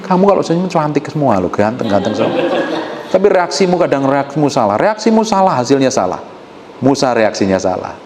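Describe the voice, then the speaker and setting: Animated pastor preaching in an echoey hall. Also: male voice, a little fast. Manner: animated, teasing the congregation, swinging from low asides to loud outbursts. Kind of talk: sermon. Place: church hall with a congregation. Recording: echoey hall with faint room noise.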